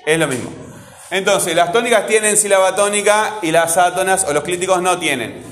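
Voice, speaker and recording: A man's voice: high voice, fairly quick, a bit bright, reverberant. A man teaching a grammar class in a Rioplatense Spanish accent, patiently repeating his questions to the students.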